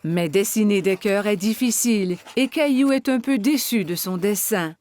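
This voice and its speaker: A woman's voice: medium pitch, normal speed, a little mellow, slight background noise. A woman reading scripted narration for a children's cartoon story.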